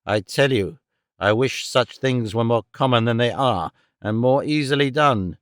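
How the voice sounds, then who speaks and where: A man's voice: medium pitch, unhurried, clean tone, no room sound, studio quality, close to an everyday voice. A man voicing a stern, cold-hearted moneylender who speaks in a grim, menacing way.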